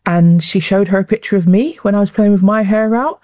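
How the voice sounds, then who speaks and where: Chatty South London woman, mellow tone. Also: medium pitch, a little fast, no echo. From South London, England. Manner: chatty, frequent repeated words and "like". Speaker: interview guest, former rugby player. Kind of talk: casual interview conversation.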